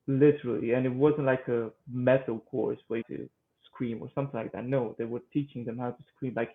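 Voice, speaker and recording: A man in his twenties from Romania with a Romanian accent, answering interview questions conversationally in a halting way, often repeating words. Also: mid-range voice. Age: 20s. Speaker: guest, vocal coach and singer-songwriter. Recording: thin phone-like line.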